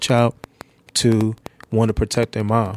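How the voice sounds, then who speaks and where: Over noticeable background noise, a man talks at a fairly quick pace and medium pitch in a dry, close sound with no echo. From Long Island, New York. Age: 40s. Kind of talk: casual conversation.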